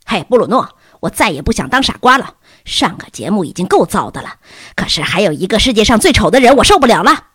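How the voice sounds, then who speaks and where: A woman's voice: extremely high pitch, fast talker, pitched above the performer's own voice. A woman voicing a sulky, fed-up schoolboy who whines and complains. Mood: whiny. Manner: whiny complaining.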